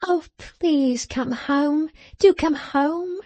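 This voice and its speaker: A woman voicing a timid, tearful storybook wife who implores her cruel husband in a soft voice. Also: drawn-out words, no room sound. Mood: tearful, pleading. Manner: high, soft, imploring delivery.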